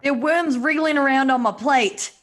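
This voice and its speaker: A woman's voice: high voice, normal speed, voice pushed up, close to an everyday voice. Woman playing a squeamish, alarmed male dinner guest. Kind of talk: table read of a film script.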